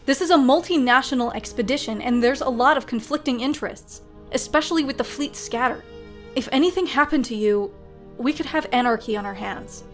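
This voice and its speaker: Actress playing female naval skipper, higher pitch, serious, measured authority, sci-fi radio play. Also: soft background music, lightly acted. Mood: grave, urging. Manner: formal, measured, commanding. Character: serious, cautious woman naval starship skipper. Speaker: actor in an audio drama. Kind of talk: dramatic sci-fi audio drama acting.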